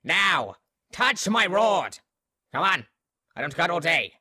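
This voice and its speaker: A man's voice: high voice, very animated, slow pace, sharp tone, slightly rough, exaggerated voice. A man playing a sneering, psychotic Christmas ghost. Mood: impatient. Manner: crude, bored and mocking. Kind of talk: fan audio drama acting.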